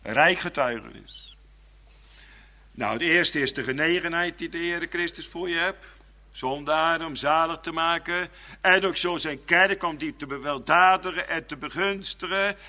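A man preaching a sermon in a church. He moves between hushed, slow pleading and raised, fervent preaching. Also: on the high side. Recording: long church reverb.

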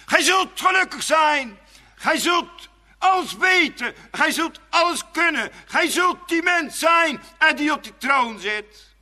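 A preacher voicing a sly, hissing male serpent that coaxes and tempts, his voice pushed higher and louder. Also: lively intonation, slow pace, big-room sound, heavily acted. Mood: proclaiming. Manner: hissing, coaxing, then proclaiming loudly.

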